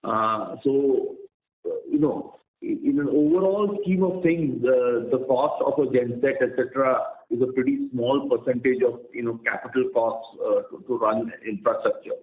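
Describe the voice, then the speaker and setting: Exec guy explaining stuff on a conference call, halting, echoey tinny phone sound. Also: mid-range voice. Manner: explanatory, halting, repeats words. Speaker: company executive answering analysts. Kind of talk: earnings call answers.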